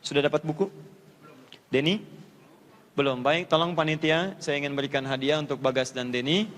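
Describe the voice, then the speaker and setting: A man with a fairly high voice preaches and teaches Quran pronunciation in a big hall. He talks animatedly and drills the sounds again and again. His voice trails off into a long hall reverb. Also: moderate pace. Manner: animated, demonstrates letter sounds by repeating them; coaches audience volunteers in front of a crowd. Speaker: Islamic preacher.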